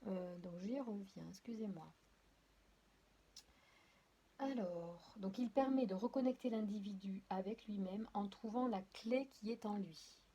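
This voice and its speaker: A woman's voice: medium pitch, measured pace, dark tone, husky. Hesitant woman reading tarot cards. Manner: hesitant, many fillers and restarts, apologetic; addresses viewers directly. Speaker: tarot and oracle card reader. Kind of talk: casual spoken card reading.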